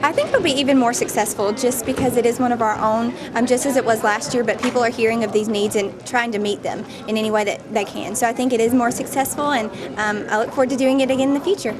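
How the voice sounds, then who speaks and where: A woman in an interview speaking quickly with some fillers. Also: a little high, steady tone, crowd noise. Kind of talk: interview soundbite.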